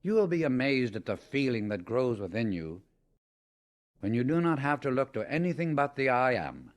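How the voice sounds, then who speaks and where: A man narrates a scripted spiritual audiobook in a measured, emphatic, instructional manner. His mid-range voice has big pitch swings.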